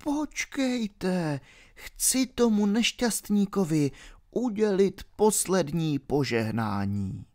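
A man's voice: sits high, big pitch swings, a little mellow, pitched above the performer's own voice. A man reading an audiobook, voicing a trembling, pious old male pilgrim in a shaky voice. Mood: pleading. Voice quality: shaky, quavering.

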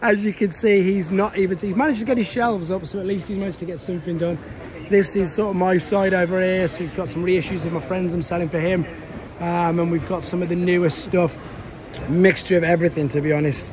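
A man's voice: high-pitched, steady tone, brisk, a crowd in the background. A man in his thirties with a British accent, talking casually to his phone camera about his day selling toys, upbeat but a little tired. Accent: British English. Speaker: toy seller and YouTuber. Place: bedroom, then car, car park and big indoor exhibition hall. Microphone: phone held at arm's length. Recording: phone audio with hall noise.

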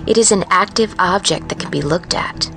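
Woman acting a haunted, low-voiced truck driver over music. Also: a little fast, close to an everyday voice. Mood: wry, wistful. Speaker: narrator of serial fiction podcast. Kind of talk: dramatic first-person audio fiction monologue.

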